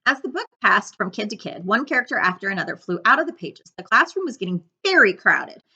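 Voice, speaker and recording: Bright, animated woman reading a picture book. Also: mid-range voice, brisk, gravelly, slightly rough, highs cut off. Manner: expressive, dramatic storytelling. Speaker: librarian reading aloud. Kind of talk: children's picture-book read-aloud with asides. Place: living room couch, indoors.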